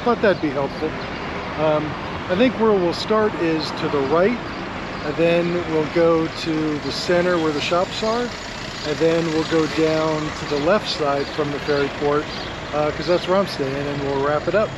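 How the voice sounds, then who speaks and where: A middle-aged man vlogging a casual walking tour, talking in a relaxed, chatty way with many ums, filmed on a camera held at arm's length in a sunny harbor area. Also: a little high, measured pace. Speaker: travel vlogger. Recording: loud outdoor street noise.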